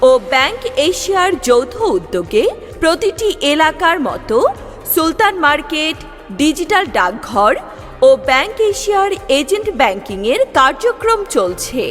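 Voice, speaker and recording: High lively woman's loudspeaker announcement. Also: normal speed. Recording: long reverb with music bed. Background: music.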